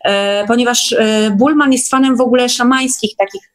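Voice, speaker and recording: A woman's voice: on the high side, moderate pace. A woman guest casually recounting experiences in an online meeting, chatty and often seeking agreement.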